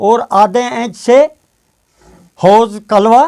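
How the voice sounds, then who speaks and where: His intonation is fairly even. The man's pitch sits extremely high. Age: 70s. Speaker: local resident. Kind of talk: public complaint to press.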